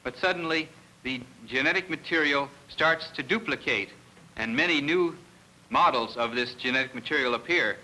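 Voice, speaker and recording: Very sharp, bright-voiced man lecturing. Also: mid-range voice, moderate pace, poor audio. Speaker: research scientist guest lecturer. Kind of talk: educational science lecture.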